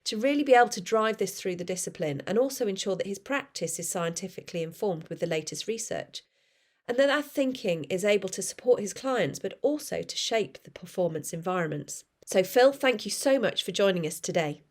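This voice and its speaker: A woman hosting a podcast who reads a guest introduction in a clear, measured way and then asks conversational questions. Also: mid-range voice, lively intonation, a little mellow. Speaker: podcast host.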